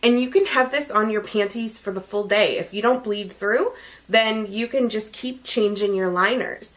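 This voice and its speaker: A woman's fairly high voice moves at a moderate speed against clearly audible background noise. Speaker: beauty and lifestyle vlogger. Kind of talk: product review. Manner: casual with filler words.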